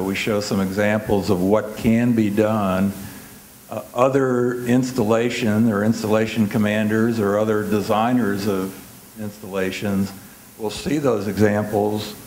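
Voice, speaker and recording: Flat, low-voiced man on a panel. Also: a little hiss or hum, poor audio. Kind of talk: panel discussion answers.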